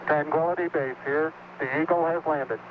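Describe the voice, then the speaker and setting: A man's voice: a little high, steady tone, normal speed, a little hiss or hum. A man making terse, procedural technical calls over an archival space radio transmission. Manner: clipped, procedural. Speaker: astronauts and mission controllers on spaceflight radio. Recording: muffled 1960s space radio archive, music behind.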